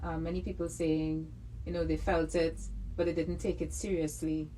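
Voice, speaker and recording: A woman radio host interviewing a guest, encouraging and quick with short acknowledgements. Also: low-pitched, little pitch movement, mellow, a little hiss or hum, rough recording.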